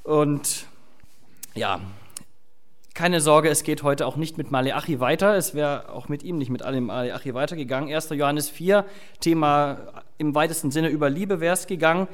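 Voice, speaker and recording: A man's voice: fairly high pitch, moderate pace. A man preaching, reading scripture and chatting casually with the congregation with fillers and asides. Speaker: pastor. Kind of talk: sermon with Bible reading.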